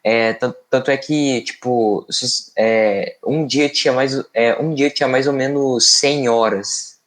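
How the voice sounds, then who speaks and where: Young Brazilian guy student, mid-pitched, hesitant, restarts often. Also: fairly even intonation, slow pace, fairly bright tone. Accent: Brazilian Portuguese. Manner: hesitant, many fillers and restarts. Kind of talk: class discussion.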